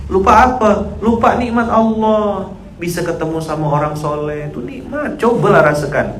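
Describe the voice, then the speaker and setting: Man preaching, animated, throat-clearing, roomy hall, faint hum. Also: normal speed. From Indonesia. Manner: animated, jumps to loud high outbursts when acting out others. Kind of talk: casual sermon to a congregation.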